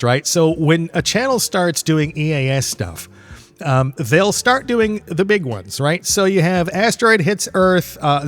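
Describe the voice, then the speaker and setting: A man hosting a solo podcast in a casual, rambling, conversational way. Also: a little high. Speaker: podcast host.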